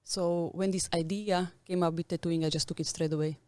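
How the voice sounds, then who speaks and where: Guest spot: self-assured woman from Slovakia, lowish voice, dry close sound, laughs often. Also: fairly even intonation, a little fast, darkish tone, no room sound. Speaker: tattoo artist guest. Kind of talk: casual interview talk.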